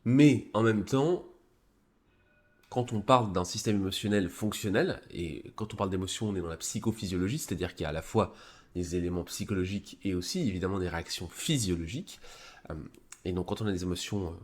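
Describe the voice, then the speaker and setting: A man with a deep, low, slightly mellow voice and a cold talks through a psychology article on his live stream. Presenting this psychology review, he speaks casually and hesitantly, full of fillers and restarts.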